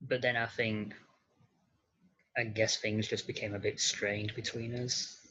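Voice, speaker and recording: The recording is a little dull and muffled. A man with a fairly low, husky voice chats casually as an interview guest. He speaks in a halting, hesitant and understated manner. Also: level tone, pushed and bright. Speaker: podcast guest, model and actor.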